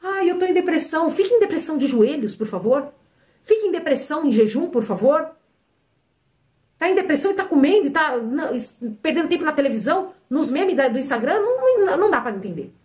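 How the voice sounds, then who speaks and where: A middle-aged woman delivers an emphatic sermon and keeps putting questions to her listeners. Her voice sits high and swings widely in pitch as she presses each point. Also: sing-song, fairly quick, darkish tone. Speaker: preacher.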